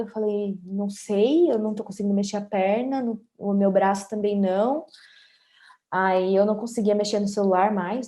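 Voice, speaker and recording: Mellow-voiced Brazilian woman in her twenties. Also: medium pitch. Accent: Brazilian Portuguese. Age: 20s. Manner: candid, conversational, often adds tag questions. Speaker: interview guest. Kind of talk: personal story in an interview.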